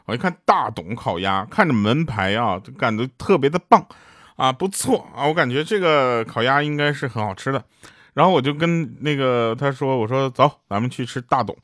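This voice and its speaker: A young man reels off short comic stories in a lively, bouncy delivery. He jumps his pitch up sharply whenever he quotes someone else. His voice is mid-pitched and sits close and dry, with no room sound. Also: moderate pace, no echo. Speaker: joke teller. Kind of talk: telling short comic anecdotes.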